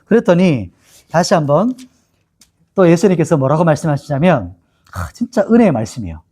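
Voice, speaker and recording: A man's voice: on the high side, big pitch swings, a little fast, dark tone, breathy edge. A male pastor teaching a Bible-study sermon in a chatty way, asking his listeners questions and laughing often.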